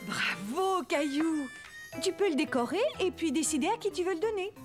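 A woman's voice: very high-pitched, very animated, moderate pace. A woman voicing a kind, encouraging young mother in a children's cartoon, speaking affectionately. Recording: music behind.

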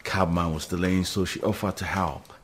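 An actor playing a husband who greets an old friend and tries to calm his angry wife. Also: low voice, normal speed, slight background noise, natural voice. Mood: friendly. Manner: placating, trying to calm others.

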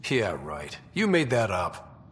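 A man playing a dry, teasing, steady young space adventurer in a video game, wry and deadpan. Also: on the low side, slow, a little hiss or hum, exaggerated voice. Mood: skeptical. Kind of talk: video game dialogue acting.

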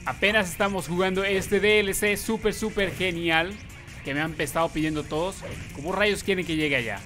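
A man hosting gameplay commentary as a YouTuber, excitable, breaking into loud exclamations and playful yelps. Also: high-pitched, a little fast, over music. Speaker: YouTube gamer host.

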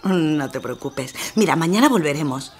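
A woman's voice: sits low, expressive, normal speed, a little hiss or hum. A woman playing a kindly, practical charity helper in a radio drama. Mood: kind, reassuring. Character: kindly, practical woman serving food to poor.

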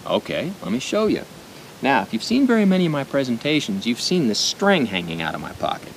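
A middle-aged American man with a speech impediment, giving an informal gear demonstration with deliberate pauses. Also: wildly swooping pitch, vocal fry, rough recording. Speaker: knife and gear reviewer. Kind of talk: informal product demonstration to camera. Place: outdoors at a picnic table in woods. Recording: outdoor noise with low rumble.

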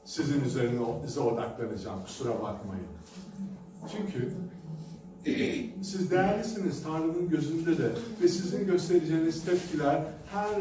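A man preaching at a pulpit microphone, his slightly high voice carrying through a very echoey hall. He sounds set back from the mic, with clear background noise underneath. He tells stories in a relaxed, conversational way and pauses with hesitant fillers. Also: recorded from a distance. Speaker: pastor. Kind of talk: sermon.

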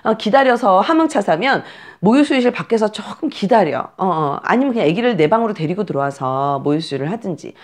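A woman's voice: medium pitch, animated, a little fast, few pauses, darkish tone. A woman teaching new mothers about breastfeeding, direct and emphatic, giving blunt commands and acting out scenes. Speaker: postpartum care and breastfeeding instructor. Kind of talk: coaching lesson to new mothers.

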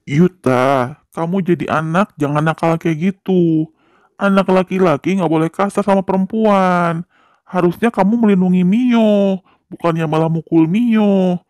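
A man voicing a tired office-worker father who scolds his children calmly, in an amateur game-animation drama. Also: high voice, measured pace, dry recording. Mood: scolding.

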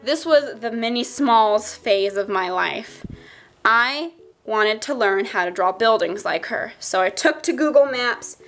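Her voice sits on the high side, a bit bright and lively in intonation, a little slow. She is a young adult woman and art YouTuber, stuffy-nosed, casually touring a sketchbook with self-mocking jokes and rambling tangents.

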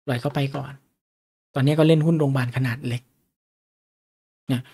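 A man's voice: mid-range voice, fairly even intonation, moderate pace, gravelly, warm tone, breathy edge. A man giving a chatty lesson on reading stock charts, often throwing questions at his listeners. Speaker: stock market teacher. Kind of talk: casual lecture on stock charts.

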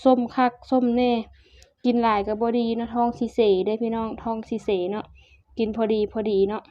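A young woman with an Isan accent chats casually through a cooking and eating vlog, talking to her viewers like family. Her voice sits fairly high but barely moves in pitch. The recording sounds dull and dry. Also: level tone, a little fast, warm tone, no echo. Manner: chatty, addresses viewers as family, mixes dialect in.

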